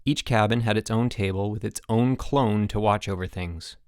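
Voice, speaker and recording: A man's voice: on the low side, normal speed, a little mellow, smooth, no echo, clean studio sound. A man reading an audiobook, narrating a story expressively.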